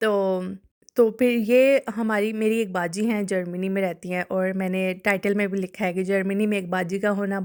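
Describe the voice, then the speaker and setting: A woman has a normal speaking voice at a medium pitch, with fairly even intonation. The recording is very clean, with a silent background. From Pakistan. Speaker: vlogger, homemaker. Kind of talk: casual home vlog talk to camera.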